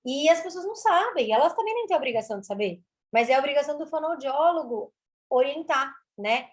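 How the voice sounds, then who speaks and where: Mineira lady, speech therapist guest, kinda high voice, explains stuff all lively and repeats herself for emphasis. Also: quick pace. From Brazil. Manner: animated, repeats words for emphasis. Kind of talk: explanatory interview talk.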